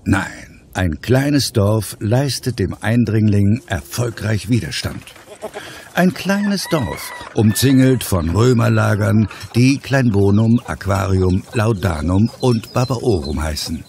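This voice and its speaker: A man narrating a comic audio play as a storyteller, in a measured, scripted manner. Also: on the low side, lively intonation, creaky, noisy background, heavily acted.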